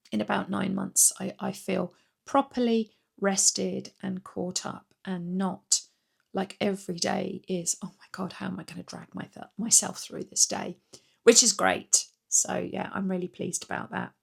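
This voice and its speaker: Croaky woman chatting casually. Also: mid-range voice. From Britain. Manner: rambling, chatty, frequent ums and restarts. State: croaky from a cold. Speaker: weight-loss vlogger. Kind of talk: casual chatty vlog update.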